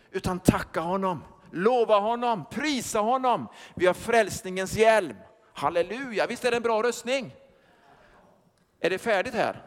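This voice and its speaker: Older man, pastor, sermon, high-pitched, lively, quizzes the congregation, long church-hall echo. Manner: lively, asks the congregation questions, jokes.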